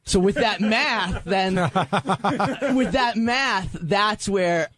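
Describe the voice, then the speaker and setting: A man in a casual panel discussion, making his case in a halting, aggrieved way. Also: high voice, fairly bright tone. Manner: halting, repeating words, aggrieved. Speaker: radio show staff member.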